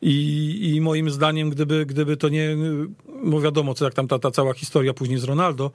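Male football panelist, slightly high pitch, halting conversational delivery, very dry radio studio. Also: level tone, dry recording. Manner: halting, repeats words mid-sentence. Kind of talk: casual sports discussion.

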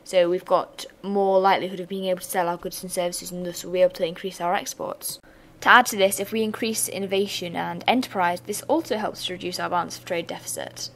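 A young woman, hoarse and losing her voice, giving a chatty revision lesson with casual asides. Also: mid-range voice, a little hiss or hum. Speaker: student revision tutor.

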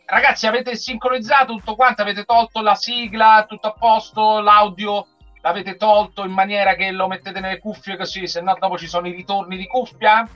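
Man, middle-aged, bright voice, chatty joking host, dull streamed sound, background music. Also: high voice, level tone, a little fast. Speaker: host of a group livestream. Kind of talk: casual chat, hosting a watch-along. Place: room at home. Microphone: video call.

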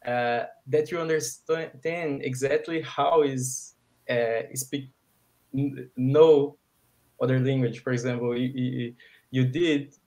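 Very slow, halting man on a video call. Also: medium pitch, darkish tone. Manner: halting, repeats words while searching for English. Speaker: co-host of an English learners' club. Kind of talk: halting spoken comment.

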